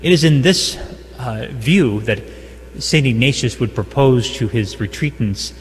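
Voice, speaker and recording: Priest's voice ringing in cathedral echo. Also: male voice, medium pitch, lively intonation, measured pace. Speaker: priest leading Mass, preaching. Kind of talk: chanted liturgy, gospel reading and homily. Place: large echoing church. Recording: long echoing church reverb.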